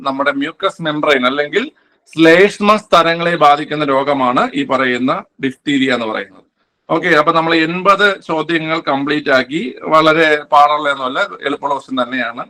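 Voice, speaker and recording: A male teacher runs an online quiz class for exam aspirants. His voice is bright and sits a little high, and he repeats every answer, often answering his own questions. He talks in a casual classroom manner.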